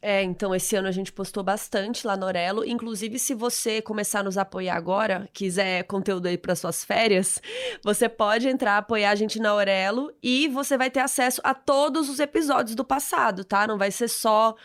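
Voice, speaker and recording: A woman's voice: medium pitch, moderate pace. A woman with a Brazilian Portuguese accent co-hosting a podcast, chatting casually and informally with slang. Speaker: podcast co-host.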